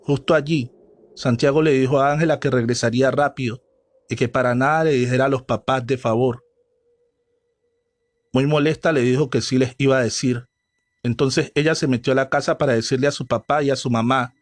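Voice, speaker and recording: A man reading a horror story aloud as a storyteller, dramatic and measured. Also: mid-range voice, fairly even intonation, dry recording. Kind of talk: scripted horror story narration.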